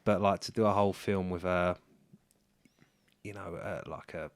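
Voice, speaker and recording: A man with a lowish voice co-hosting a casual film review chat. He hesitates often and searches for the right word. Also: steady tone, moderate pace. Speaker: podcast co-host.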